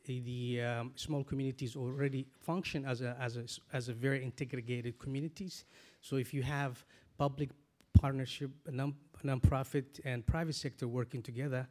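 Man, forties, earnest, halting, restarts, panel guest. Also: mid-range voice, flat delivery, darkish tone. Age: 40s. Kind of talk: panel discussion.

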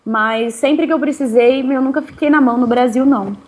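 A woman, chatting casually about her bike travels in an interview, relaxed and quick to laugh. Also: sits high. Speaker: interviewee, touring cyclist.

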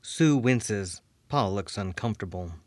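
Low-voiced male narrator. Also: expressive, a little slow, dry recording, clean studio sound. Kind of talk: scripted narration of an audio drama.

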